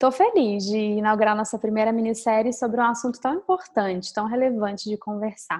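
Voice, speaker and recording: A woman with a plain, everyday voice, fairly high in pitch, with ordinary pitch variation, a fairly quick pace and hardly any pauses. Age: 20s. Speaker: podcast host, illustrator. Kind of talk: casual chat.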